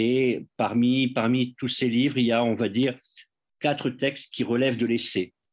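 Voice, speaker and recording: The recording is very clean and the background is silent. The man talks fairly slowly. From northern France (Dunkirk). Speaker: crime novelist. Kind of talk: interview. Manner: halting, frequent repetitions.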